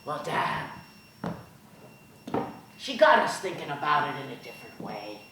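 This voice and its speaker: A woman voicing a brash, rowdy male mob leader with a rough folksy dialect, performing a one-woman historical story in an echoey hall. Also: low-pitched, big pitch swings, a little slow, pitched below the performer's own voice. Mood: sobered. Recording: echoey hall, faint room noise.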